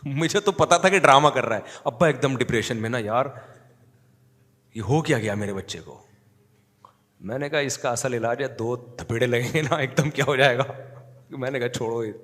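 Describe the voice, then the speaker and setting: A man delivers a sermon as a string of stories, acting out the people he talks about. His voice sits at an ordinary middle pitch. A long reverb hangs on every phrase, as if he speaks in a large hall. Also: fairly bright tone. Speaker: cleric giving a talk. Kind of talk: storytelling sermon.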